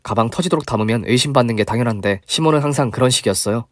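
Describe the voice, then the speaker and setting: Narrator: man, mid pitch, confiding story read, dry close recording. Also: racing, no room sound.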